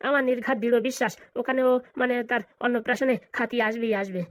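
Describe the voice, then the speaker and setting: A performer voicing a fawning, flattering lawyer sidekick in a comedy cartoon, eager and colloquial. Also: mid-range voice, fast talker, lightly acted. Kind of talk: exaggerated cartoon comedy dialogue.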